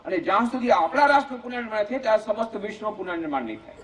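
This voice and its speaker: A man, a monk who heads an ashram, giving an animated storytelling sermon in a community hall. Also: high-pitched, rapid-fire, slight background noise. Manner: animated, acts out story voices. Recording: muffled lo-fi lecture recording.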